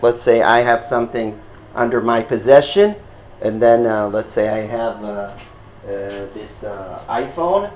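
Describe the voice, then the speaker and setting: A man's voice: medium pitch, darkish tone, a little hiss or hum, low-quality recording. A man from Israel, a native Hebrew speaker, teaching a class in English with an Israeli accent. He explains at length and often stops on fillers and checks with his listeners. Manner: halting, with frequent fillers and checks for understanding. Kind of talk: explanatory lecture.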